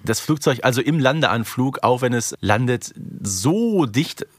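A man's voice: mid-range voice, animated, a little slow, no room sound, studio quality. A man co-hosting a podcast in casual, humorous conversation. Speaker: podcast co-host.

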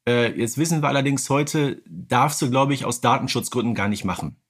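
Male podcast co-host, middle-aged, husky mid-range voice, conversational. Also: mid-range voice, expressive, a little fast. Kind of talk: casual podcast discussion.

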